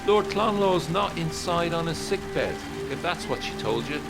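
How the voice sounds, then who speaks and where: A man voicing a gruff, scornful Irish local with a blunt manner and raised voice in a gothic 1920s audio drama. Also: fairly high pitch, lively intonation, normal speed, loud music behind the voice, pitched above the performer's own voice. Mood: insistent. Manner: blunt, raised voice over the rain. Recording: heavy rain noise behind.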